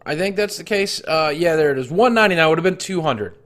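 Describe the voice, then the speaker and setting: A man talks casually to his live-stream viewers in a slightly high voice. He reads messages and tallies prices aloud, stopping often for ums and uhs. Now and then he clears his throat while chewing cough drops. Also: expressive, a bit bright. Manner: reads chat and tallies costs aloud, halting with fillers.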